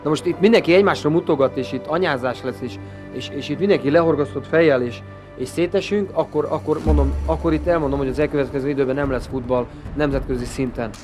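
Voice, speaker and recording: Man, Hungarian accent, urgent repetitive delivery, higher pitch, music bed. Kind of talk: fiery football interview.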